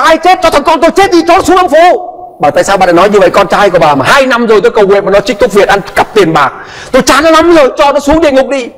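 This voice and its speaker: Male pastor, high-pitched, impassioned sermon, acts out voices, long hall reverb. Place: church.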